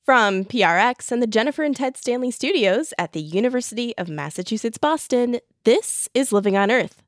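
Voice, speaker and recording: Female radio co-host, clear even read, dry close studio sound. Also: a little high, fairly quick, dry recording. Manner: clear, even newsreader delivery. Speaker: radio news magazine co-host. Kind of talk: scripted narration and interviewing.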